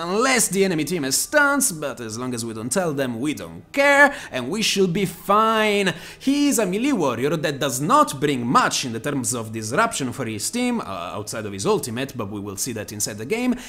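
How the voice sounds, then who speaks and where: Over music in the background, a man with an Italian accent speaks at a moderate pace and fairly high pitch with very wide pitch swings. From Italy. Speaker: gaming video creator. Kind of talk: video game intro to camera.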